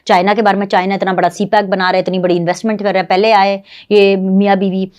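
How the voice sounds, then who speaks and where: A woman's voice: medium pitch, fast talker. Scornful Pakistani woman ranting. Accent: Pakistani Urdu. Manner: scornful, mocking, animated. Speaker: political commentary show host. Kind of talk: heated political monologue.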